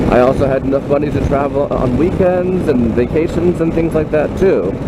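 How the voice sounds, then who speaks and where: Someone speaks at a fairly quick pace in a relaxed tone with ordinary pitch variation, with noticeable background noise and audible room echo. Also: man. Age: 40s. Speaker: motorcycle vlogger. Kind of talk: casual vlog monologue. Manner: relaxed, rambling with fillers.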